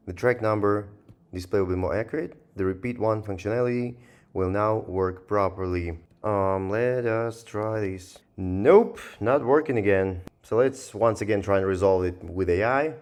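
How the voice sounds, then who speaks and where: A man giving a casual, rambling software review, thinking aloud in a hesitant and sardonic way as he goes. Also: fairly low pitch, normal speed. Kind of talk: casual screen-recorded review commentary.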